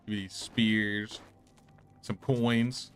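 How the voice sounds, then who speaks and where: A man's voice: lowish voice, level tone, drawn-out words, faint music behind. A man doing casual livestream gameplay commentary, chatting and thinking aloud as he plays. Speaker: game streamer.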